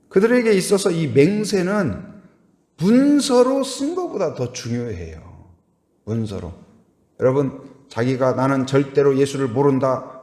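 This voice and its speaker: Pastor, male, lively sermon delivery, acts out voices, echoey sanctuary. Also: on the high side. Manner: lively, asks the congregation questions and acts out quoted voices. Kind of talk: dawn service sermon. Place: church sanctuary.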